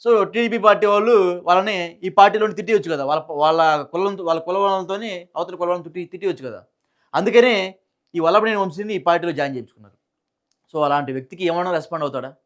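A man's voice: sits high, quick pace, a bit bright. A man with a Telugu accent giving informal political news commentary, repeating phrases for emphasis and asking rhetorical questions.

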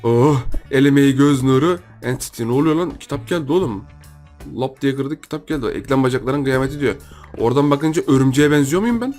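Young guy doing chatty game commentary, mid pitch, faint music underneath. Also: fast. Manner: excitable, talks to himself and viewers, repeats words in bursts. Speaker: gaming YouTuber. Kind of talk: casual gameplay commentary.

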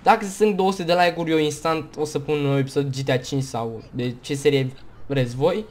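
A man's voice: a little high, a little mellow. A man with a Romanian accent giving casual gameplay commentary, chatty and rambling, hiccuping and tired, on a headset mic at home. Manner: chatty, rambling, talks in bursts between hiccups. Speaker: gaming YouTuber.

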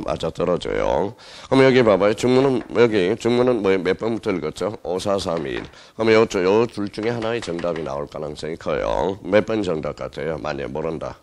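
A man's voice: deep voice, vocal fry. A male exam-prep lecturer teaching a class, who asks the students questions, answers them himself and repeats the key words.

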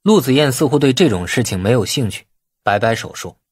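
Guy narrating an audiobook novel, really lively pitch, bit husky, dry close sound. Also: brisk, no room sound. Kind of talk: scripted dramatic novel narration.

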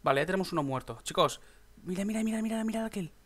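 Excitable young gamer, higher voice. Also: male voice, very fast. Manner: chatty, swears, bursts into excited shouts. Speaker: gaming YouTuber. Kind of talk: casual gameplay commentary.

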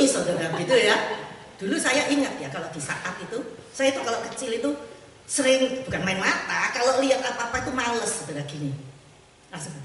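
A woman evangelist preaching a sermon in a church, lively and warm with laughter, acting out the voices she quotes. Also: medium pitch, slight background noise. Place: church sanctuary. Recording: echoey church hall, mic at a distance.

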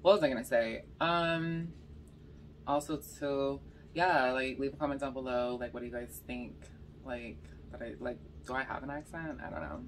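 A young woman from Georgia with a slight Californian accent and a slightly raspy voice, chatting casually between bites while eating on camera. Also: very deep voice, fairly even intonation, moderate pace, recorded from a distance, a little hiss or hum. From Georgia, US South. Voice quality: a little raspy. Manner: chatty storytelling between bites, lots of "like" and "y'all". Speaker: mukbang vlogger. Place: bedroom, indoors.

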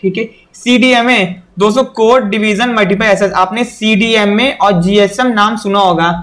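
A man's voice: sits high, normal speed, fairly bright tone. A young man teaching an exam-prep lesson, who keeps repeating "okay" and "remember this" in a direct, instructive way. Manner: repeats "theek hai" and "yaad rakhiyega" often, direct instructional.

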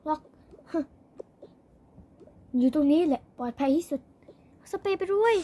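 A young girl improvising a roleplay story with toy-game characters, excitable and repeating words rapidly. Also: sits high.

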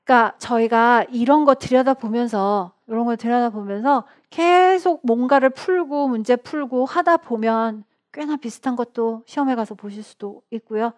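Chatty, higher-voiced woman lecturing. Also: moderate pace, few pauses. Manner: chatty, animated, laughs often; acts out short quoted lines. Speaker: exam prep lecturer. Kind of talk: online lecture.

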